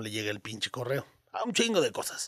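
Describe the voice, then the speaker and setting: Here, a man speaks in a Mexican accent with an animated tone. The background is quiet. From Mexico. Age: 40s. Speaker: firearms channel host and shooting instructor; firearms channel host, shooting instructor. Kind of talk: casual vlog monologue; casual podcast commentary. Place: home room. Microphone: studio mic.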